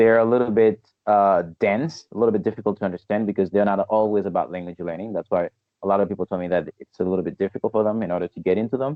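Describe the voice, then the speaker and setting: A man speaks very fast in a Haitian accent. His pitch is fairly low and his intonation fairly even. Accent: Haitian Creole-accented English. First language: Haitian Creole. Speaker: polyglot YouTuber, language teacher. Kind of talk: casual interview. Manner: halting, many fillers.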